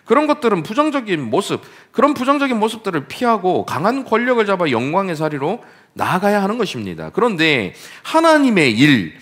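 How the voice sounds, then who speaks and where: A man's voice: on the high side, a bit bright, breathy edge. A man preaching a Sunday sermon as pastor, acting out scripture quotes with dramatic emphasis. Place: church sanctuary.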